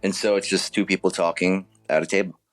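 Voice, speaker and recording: A man's voice: low-pitched, level tone, a little fast, faint music behind. An American man, an author being interviewed, explaining things informally in casual chat. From United States.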